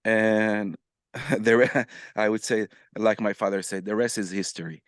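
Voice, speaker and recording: A man with a smooth, resonant voice tells his story as a podcast guest. He talks in an animated, casual way, with plenty of fillers and restarts. The sound is dry and close, with no room echo. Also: fairly low pitch, measured pace. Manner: animated, many fillers and restarts, acts out quoted messages. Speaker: podcast guest, musician and influencer.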